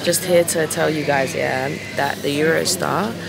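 A woman's voice with ordinary pitch variation, dry sound with no echo and noticeable background noise. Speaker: travel vlogger. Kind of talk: casual vlog chat. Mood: annoyed but playful. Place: station. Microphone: phone near.

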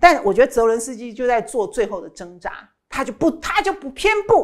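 A woman speaks at a moderate pace in an animated tone. The background is quiet. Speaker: political commentator. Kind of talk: talk show panel discussion. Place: studio. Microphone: lapel.

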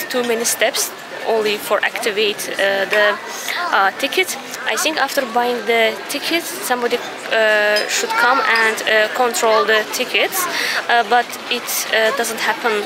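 Crowd noise plays in the background as a woman speaks at a fairly slow pace. Her speech has long, frequent pauses and ordinary pitch variation. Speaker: travel vlogger. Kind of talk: casual vlog chat. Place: cafe. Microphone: phone near.

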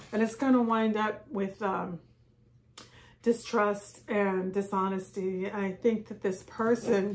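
Over light background noise, a woman talks at a fairly slow pace in a monotone with flat intonation. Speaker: tarot reader. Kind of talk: tarot reading talk to viewers. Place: home room. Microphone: phone near.

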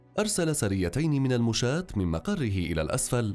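Backed by music, a man talks at a moderate pace with very wide pitch swings. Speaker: voice-over artist. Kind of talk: documentary narration.

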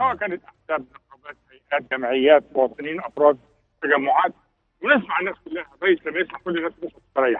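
This is an ordinary speaking voice at a fairly quick pace. Pitch varies in an ordinary way while loudness swings widely. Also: man, fairly high pitch for a man. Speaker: lawyer and senator. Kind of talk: interview. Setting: phone call.

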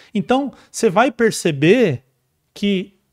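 A man's intonation is lively, and the background is quiet. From Brazil, Mauá, São Paulo state; São Paulo, Brazil. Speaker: neurocommunication educator. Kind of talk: casual interview chat. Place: studio. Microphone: studio mic.

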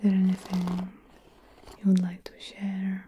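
Soft-spoken, a woman talks over light background noise. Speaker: soft-spoken comforting host. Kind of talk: gentle soothing personal attention talk. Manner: soft, hushed ASMR voice.

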